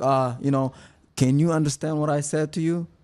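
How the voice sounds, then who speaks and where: A man with an African accent, fairly high in pitch, his intonation fairly even against a quiet background. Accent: African-accented English, noticeable. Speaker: author and youth coach. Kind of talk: podcast interview. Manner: halting, many repetitions.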